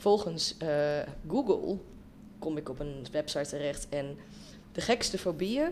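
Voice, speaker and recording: Speaking very slowly with long, frequent pauses, a woman uses a very deep, low pitch and lively intonation. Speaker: youth centre volunteer. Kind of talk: casual chat.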